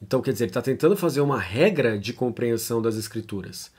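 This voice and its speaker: A man's voice: mid-range voice, lively intonation, quick pace, darkish tone, slightly rough. A Brazilian man with a Brazilian Portuguese accent, giving an informal lecture as he reads out a text and comments on it, often tagging his sentences with questions. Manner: conversational, frequent tag questions and fillers. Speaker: lecturer on theology.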